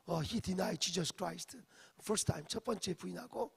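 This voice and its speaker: A man's voice: high voice, slow, vocal fry, slightly rough. A male pastor giving a dawn service sermon, telling the story, asking the congregation questions and dropping in English phrases. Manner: acts out quoted speech, drops in English phrases. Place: church sanctuary. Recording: echoey church hall.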